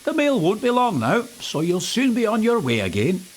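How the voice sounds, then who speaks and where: A man playing a polite, animated station master. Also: high voice, normal speed, slight background noise, voice pushed up. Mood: pleased. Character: polite, earnest male railway station master. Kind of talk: children's storybook character voice.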